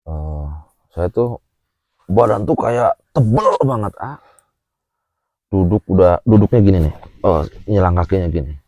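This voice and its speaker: Animated man telling a story. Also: deep voice, unhurried, pauses often, dry recording, dull audio. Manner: animated, with frequent filler "ah" and "A", acts out gestures while telling. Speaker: guest telling his experience. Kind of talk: casual storytelling chat.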